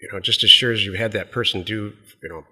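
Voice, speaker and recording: Casting: blunt American male podcast co-host, husky and fast-talking, opinionated, in a reverberant space. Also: lowish voice, bright, forceful tone. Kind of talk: casual business advice chat.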